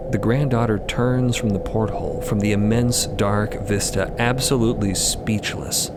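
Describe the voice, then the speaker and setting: A man narrating scripted fiction in a measured, deliberate way with dramatic pauses. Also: fairly low pitch, fairly even intonation, heavy background noise. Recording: loud music under the voice. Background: loud music.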